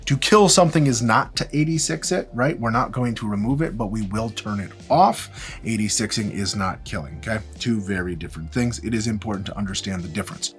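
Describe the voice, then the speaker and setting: A man presenting an instructional video, explaining things emphatically and restating key points in a structured way. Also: medium pitch. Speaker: video host, tutorial presenter. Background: background music.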